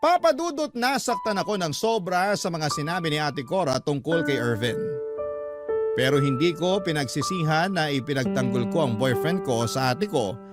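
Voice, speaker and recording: A man's voice: on the high side, animated, normal speed, natural voice. A man narrating as a young woman who earnestly confides her relationship troubles to a radio host. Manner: earnest, confessional. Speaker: letter-sender narrator. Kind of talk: dramatized first-person letter reading. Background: loud background music.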